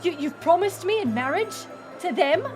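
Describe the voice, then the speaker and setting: A woman's voice: very high-pitched, lively intonation, normal speed. A woman playing a fiery, defiant young princess in a dramatic audio roleplay, indignant and bitingly sarcastic. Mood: furious, indignant. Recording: music and crowd murmur behind. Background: music and banquet crowd.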